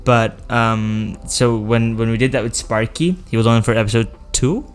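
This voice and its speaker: A man hosts a relaxed podcast conversation, his voice sitting in an ordinary middle register. He talks in loose, halting runs and laughs easily, with quiet music playing underneath. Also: medium pitch. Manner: chatty, hesitant, laughs often. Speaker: podcast host. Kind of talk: casual podcast chat.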